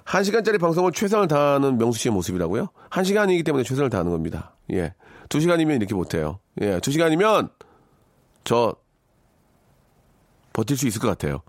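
A man in his forties hosting a radio show, reading listener messages and chatting in a joking, animated way. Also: mid-range voice, fast talker, no room sound, studio quality. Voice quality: animated, acts out voices in quotes. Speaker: radio host.

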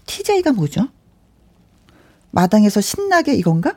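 A woman radio host with a soft, mellow tone and animated intonation, chatting conversationally through listener messages. She speaks close to a studio microphone in a dry room, with light music behind her. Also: medium pitch, unhurried, dry recording. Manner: chatty, conversational, often breaks into giggles. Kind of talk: warm-up monologue and reading listener messages on live radio.

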